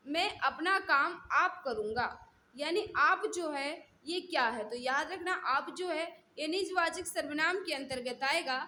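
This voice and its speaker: A woman's voice: high voice, sharp tone, slight background noise. A woman teacher running a live exam-prep class, reading out questions and repeating them with instructional set phrases. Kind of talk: live mock-test lesson, questions and answers.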